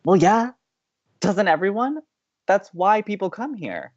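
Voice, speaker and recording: A man acts out an upbeat young college radio co-host in a podcast drama, a believer in romance. The delivery swings freely in pitch, earnest and playfully teasing. The audio is slightly dull. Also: animated, unhurried. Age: young adult. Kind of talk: scripted audio drama banter.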